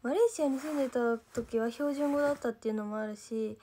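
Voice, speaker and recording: This young woman from Gifu, Japan, an idol trainee, reads viewer comments during a casual livestream, talking in mostly standard Japanese with a light Gifu lilt. Her voice is fairly high, brisk, and dark-toned, with slight background noise. Chatty and rambling, she loses track of what she's saying and leans on "nanka."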